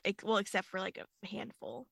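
A woman's voice: mid-range voice, steady tone, normal speed, creaky, dry recording, clean studio sound. A young woman co-hosting a podcast over a video call, chatting casually and laughing often. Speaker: podcast co-host. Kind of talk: casual chat.

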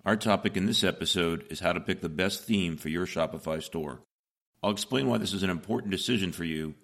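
His voice deep, hoarse and raspy with a slight brightness, a middle-aged man runs his solo podcast out of a small home booth. He walks listeners through things plainly, step by step.

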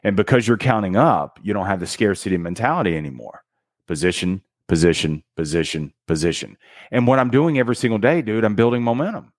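A man giving casual, energetic motivational commentary on a book, punching out single words and counting beats for effect, with slang like "dude". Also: lowish voice, fairly quick, dry recording, clean studio sound. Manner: energetic and emphatic, with dramatic counting and punchy one-word beats. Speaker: book summary host.

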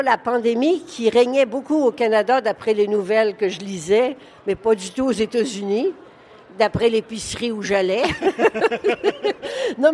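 Speaking with a Québécois French accent, an older woman novelist is interviewed live on stage at a book fair. She's frank and laughs a lot as she tells animated stories; her voice is on the high side, with a little hiss or hum in the recording.

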